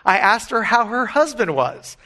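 A middle-aged male pastor delivers a sermon in a bright, slightly raised voice. He sounds earnest and emphatic as he works through scripture. He slips easily into personal stories along the way. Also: high-pitched, very animated, normal speed.

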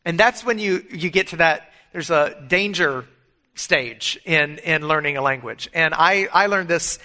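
A middle-aged male pastor delivers a sermon in a bright, slightly raised voice. He sounds earnest and emphatic as he works through scripture. He slips easily into personal stories along the way. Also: a little high, a little slow.

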